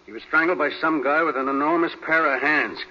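Raspy, forceful radio police sergeant. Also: male voice, a little high, a little fast. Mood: matter-of-fact. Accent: American. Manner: blunt, slangy. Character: gruff, no-nonsense male police sergeant. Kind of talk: 1940s radio acting. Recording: dull 1940s radio recording.

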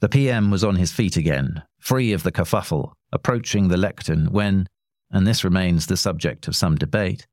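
Man reading a story, deep low voice, measured and a bit wry, dry close sound. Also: a little mellow, no room sound. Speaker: narrator.

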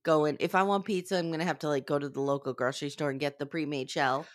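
A woman hosting a podcast in casual chat, with a froggy, croaky voice and a playfully dramatic manner. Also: low voice, fairly even intonation, fast. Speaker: podcast host.

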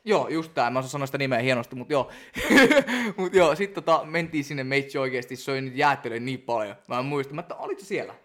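A young man chatting casually as a guest, telling animated stories full of laughter and fillers. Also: medium pitch, few pauses. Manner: animated storyteller, laughs often, many fillers. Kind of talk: casual chat.

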